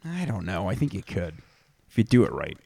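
A man from Canada hosting a casual comedic podcast, deadpan, trading crude jokes and reading facts aloud. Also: low voice, fairly quick, gravelly, breathy edge. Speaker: podcast host.

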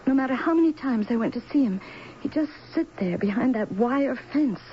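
An anxious young wife and daughter in a radio drama, her voice highish and earnest, often hesitant. The recording is muffled with a faint hiss. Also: lively intonation, fairly quick. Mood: fearful, insistent. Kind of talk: 1970s radio drama acting. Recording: muffled, lightly hissy 1970s radio recording.

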